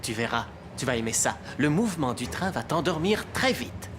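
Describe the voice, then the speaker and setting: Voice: medium pitch, sing-song, moderate pace, noisy background, natural voice. An actor playing a kindly, playful male train conductor who reassures a child in a children's cartoon. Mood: friendly. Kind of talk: animated children's cartoon acting.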